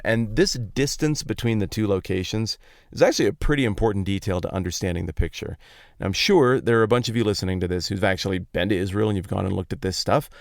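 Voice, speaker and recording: A man's voice: fairly low pitch, no room sound, clean studio sound. A man hosting a podcast, giving a casual, conversational Bible teaching talk in informal, explanatory language. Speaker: podcast host.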